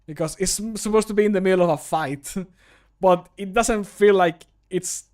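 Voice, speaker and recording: Male streamer, 30s, higher-pitched than average, casual and jokey, muses aloud while working. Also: normal speed, a little mellow. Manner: jokey, self-deprecating, thinking aloud. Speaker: streamer, game modder recording voice lines. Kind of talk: casual livestream chat. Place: small home room, indoors.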